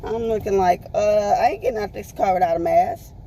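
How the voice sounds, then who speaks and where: A woman with a raspy voice, chatting to viewers from her car in a rambling, chatty way. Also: mid-range voice, fairly quick, dark tone, a little hiss or hum, rough recording. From Texas, US. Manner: rambling, chatty, calls viewers y'all and honey. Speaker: vlogger. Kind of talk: casual chat to viewers while driving. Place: in a parked car.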